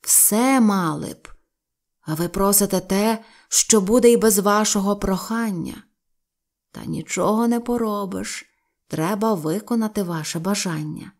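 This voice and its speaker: A woman voicing old pine trees in a storybook reading, speaking slowly and drawing out her words. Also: medium pitch, darkish tone, natural voice. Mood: gently scolding. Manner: slow, drawn-out, rustling delivery. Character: old whispering pine trees, wise and slow.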